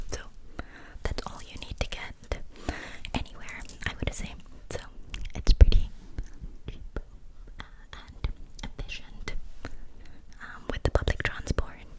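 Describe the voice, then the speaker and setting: Someone whispers at a fairly slow pace with long, frequent pauses and big swings in loudness, over noticeable background noise. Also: woman. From Malaysia. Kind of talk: ASMR whisper ramble, life update. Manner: whispered, soft, intimate.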